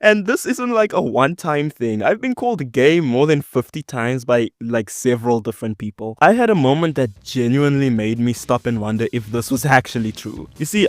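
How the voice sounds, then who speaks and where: A young man from South Africa with a white South African accent, telling a storytime in a joking, animated way with big swings in pitch and loudness. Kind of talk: storytime narration.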